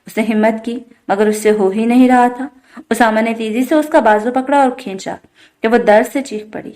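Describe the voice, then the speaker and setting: Woman reading a novel aloud, a bit high voice, even storytelling. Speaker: novel reader. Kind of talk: scripted narration of a novel.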